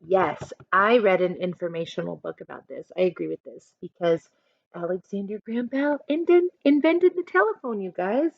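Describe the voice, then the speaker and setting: A woman teacher reading aloud to children, adding chatty instructive asides in an expressive manner. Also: medium pitch, normal speed, vocal fry, no echo, muffled recording. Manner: expressive, instructive, acts out short examples.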